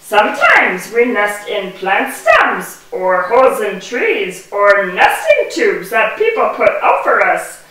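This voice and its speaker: A woman's voice: medium pitch, wildly swooping pitch, takes it slowly, fairly bright tone, a little hiss or hum, exaggerated voice. A woman voicing a small, sensible talking bee in a children's puppet show, explaining things with exaggerated emphasis. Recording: echoey hall, far from the mic.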